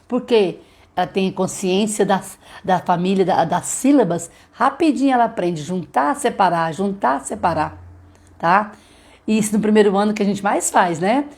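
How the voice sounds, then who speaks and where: A woman's voice: mid-range voice, darkish tone. Woman teacher explaining phonics. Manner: explanatory, frequent checking "tá?", demonstrates letter sounds. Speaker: literacy teacher. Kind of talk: live-stream teaching talk.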